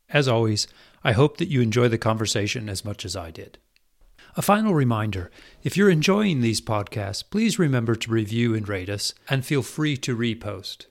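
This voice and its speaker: A man hosting a podcast, reading a measured, formal introduction and then interviewing his guest. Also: medium pitch. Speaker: podcast host.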